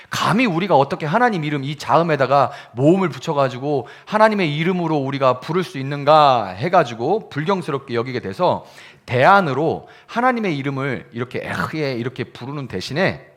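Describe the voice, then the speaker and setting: A man's voice: mid-range voice, a bit bright. A male pastor giving an explanatory sermon in a conversational teaching manner, asking the congregation questions and sounding out syllables one by one. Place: small church service.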